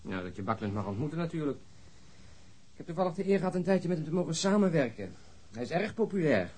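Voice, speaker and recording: An actor playing a sardonic police detective who has quit smoking and makes dry, sarcastic jokes. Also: male voice, on the high side, big pitch swings, fast talker, darkish tone, breathy edge. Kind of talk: radio drama acting.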